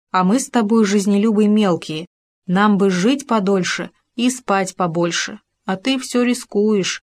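A woman's voice: mid-range voice, natural voice. A woman voicing a cautious, grumbling male gopher in a storybook reading. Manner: grumbling and wary.

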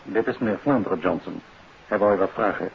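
A muffled vintage radio drama with faint hiss features a police inspector. His voice is deep, and he is formal, measured and obliging. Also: vocal fry. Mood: businesslike, polite. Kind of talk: 1950s Dutch radio drama acting. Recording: muffled, noisy 1959 radio recording.

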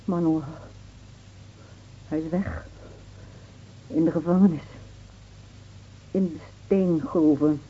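An actress playing a bitter, grieving village wife in an intense, emotional radio drama. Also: female voice, mid-range voice, slightly rough. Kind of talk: Dutch radio drama acting. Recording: muffled, phone-like old radio recording.

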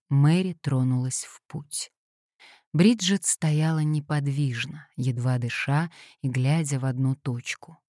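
A woman narrating a literary audiobook in a measured, even reading style. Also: rumbling low, dry recording, studio quality. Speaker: audiobook reader.

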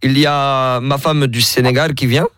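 A man's voice: fairly even intonation, normal speed, fairly bright tone, smooth, no room sound, clean studio sound, lightly acted. A man voicing a boastful husband with a put-on Senegalese French accent, pushing his case in a prank call. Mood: insistent. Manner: insistent, rambling prank-caller pitch.

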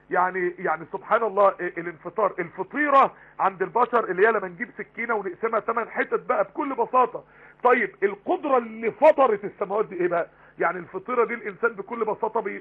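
Rapid Egyptian preacher, tinny online stream. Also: male voice, high voice, slightly rough. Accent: Egyptian Arabic. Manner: rapid, emphatic, rhetorical questions. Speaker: Quran teacher. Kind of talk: live online Quran lesson. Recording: tinny phone-line broadcast.

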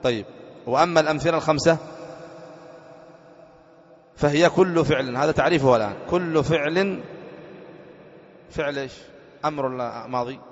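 Male sheikh teaching grammar, slightly high voice, keeps quizzing the class, dull recording with a long hall echo. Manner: quizzes students with rhetorical questions; reads a text aloud slowly, then explains it.

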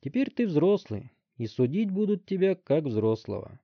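A man's voice: fairly high pitch, big pitch swings, moderate pace, no room sound, pitched above the performer's own voice. A man voicing a tough, cynical police chief who speaks curtly and bluntly in an audiobook story, on a dry, slightly dull recording. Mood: hard. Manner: curt, hard, blunt.

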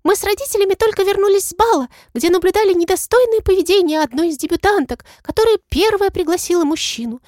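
A woman voicing a tiny, very old female moth familiar who is timid and chatty, with a squeaky, piping voice. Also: fast, hardly any pauses, darkish tone, no echo, studio quality. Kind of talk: audiobook character voice.

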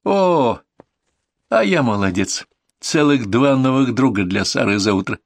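A man voicing a warm, open young woman from a farm, lifting his voice for her. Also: lively intonation, measured pace, no echo. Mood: cheerful. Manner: higher, lighter voice for a young woman.

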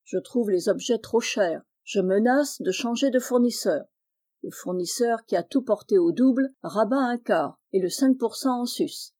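A woman's voice: on the high side, a little slow, dark tone. A woman voicing a boastful, scheming young man in a storybook reading, smug and offhand.

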